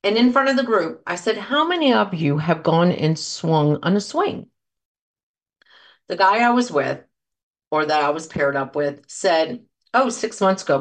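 A woman's voice: medium pitch, gravelly. A woman in her fifties hosting a solo podcast, talking casually and encouragingly, rambling through anecdotes and asides to her listeners. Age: 50s. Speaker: podcast host and coach.

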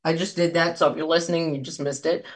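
A woman's voice: sits low, fairly even intonation, fast talker. A woman in her fifties hosting a solo podcast, talking casually and encouragingly, rambling through anecdotes and asides to her listeners. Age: 50s. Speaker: podcast host and coach.

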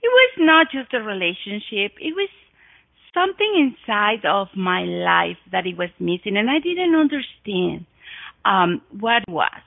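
This podcast host is a middle-aged woman from Mexico who tells listeners her story in a Mexican Spanish accent. Her mid-range voice is very animated yet measured in pace, full of gushing, gasping, swooping emphasis. The sound is dry, like a phone recording.

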